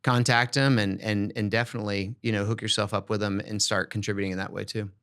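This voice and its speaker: A man's voice: on the low side, little pitch movement, fast talker, fairly bright tone, clean tone. A man hosting a podcast, giving casual advice and often repeating words as he thinks aloud. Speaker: podcast host.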